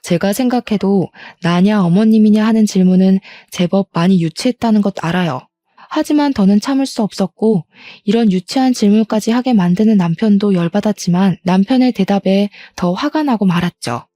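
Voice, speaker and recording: Young woman telling her sad story, warm voice, kinda plaintive, dry close recording. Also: mid-range voice, moderate pace, no echo. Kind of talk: scripted first-person narration.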